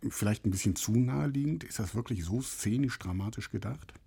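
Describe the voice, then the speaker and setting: A male radio host with a low, warm voice that carries a soft, husky grain. He introduces the piece in a measured, explanatory way before turning questions to his panel. The sound is close and dry, with no room around it. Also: no echo. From Rhineland, Germany. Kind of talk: scripted introduction and moderating a panel.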